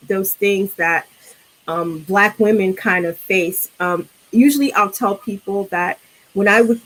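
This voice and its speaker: A woman's voice: mid-range voice, rough recording. Reflective New York woman. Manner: reflective, hesitant with many fillers and restarts. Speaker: guest film discussant. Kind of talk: casual film discussion.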